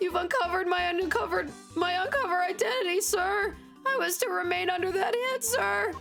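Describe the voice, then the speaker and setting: Someone performs a put-on character voice at an extremely high pitch. Clear music plays in the background. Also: fairly quick pace. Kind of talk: formal, military-style. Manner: loud, eager, deferential.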